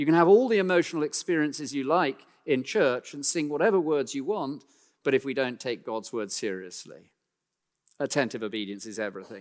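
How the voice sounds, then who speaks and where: In a British accent, a man with a fairly high pitch talks at a fairly quick pace with very wide pitch swings over a quiet background. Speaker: preacher. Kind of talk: sermon. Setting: church.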